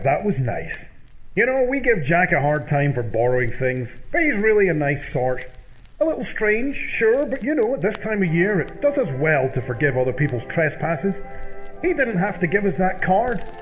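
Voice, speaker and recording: Music runs behind a dull radio recording of a man playing a kindly housemate. His high voice is earnest and good-natured, in the manner of old-time radio comedy. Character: kindly, earnest, forgiving housemate, easily moved to speeches.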